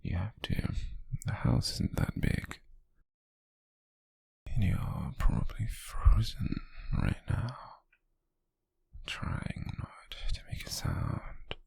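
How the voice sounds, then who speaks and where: A British man playing an obsessive, menacing stalker in an ASMR roleplay, whispering in a teasing, possessively tender way with a breathy, gravelly voice. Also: fairly low pitch, expressive, darkish tone, dry recording, full character voice. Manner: slow, lingering, teasing and menacing. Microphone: very close, dry microphone.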